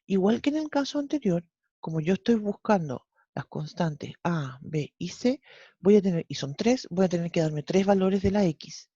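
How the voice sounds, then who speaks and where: Mellow Chilean math teacher, dull audio. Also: mid-range voice, animated, moderate pace, slightly rough, no room sound. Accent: Chilean Spanish. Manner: explains step by step, often checks with "¿cierto?". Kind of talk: online class lecture. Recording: dull lo-fi online class audio.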